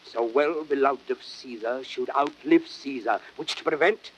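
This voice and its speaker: A man's voice: mid-range voice, measured pace, natural voice. A man playing a bitter, persuasive Roman nobleman who plots, in declamatory, impassioned classical Shakespearean style. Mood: urgent, persuasive. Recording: noisy old audiodrama record.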